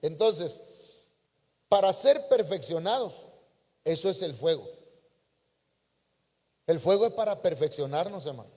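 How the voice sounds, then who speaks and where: A man's voice: a little high, expressive, measured pace, pauses often, a little mellow. A man preaching a folksy sermon, calling listeners brother. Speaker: pastor. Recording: long hall reverb.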